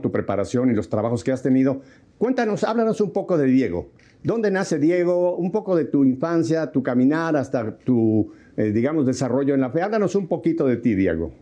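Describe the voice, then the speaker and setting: A man's voice: mid-range voice, lively intonation, brisk, dark tone. A man from Mexico City with a Mexico City accent, hosting a television interview and asking friendly, encouraging questions. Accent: Mexico City Spanish. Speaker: host.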